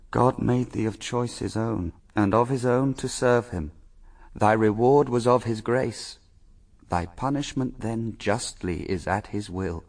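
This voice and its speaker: An actor playing an anguished, self-accusing Adam in a classical verse radio drama, solemn, theatrical and brooding. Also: male voice, mid-range voice, distant mic. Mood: resigned submission. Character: anguished fallen Adam, first man, despairing and self-accusing.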